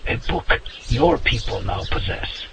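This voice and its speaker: An actor playing a solemn Native American man, a spiritual guardian who speaks in formal, measured phrases in an audio drama. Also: medium pitch, expressive, vocal fry, heavy background noise. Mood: solemn warning.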